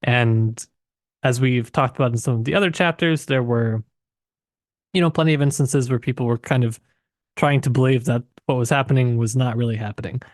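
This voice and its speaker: A man's voice: mid-range voice, a little fast, no echo, clean studio sound. A man co-hosting a casual literary discussion, conversational and tentative as he thinks aloud. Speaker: podcast co-host.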